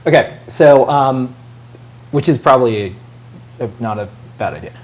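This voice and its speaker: A man's voice: mid-range voice, animated, moderate pace, darkish tone. A man co-hosting a show in casual chat, rambling along with many fillers and side remarks. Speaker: show co-host.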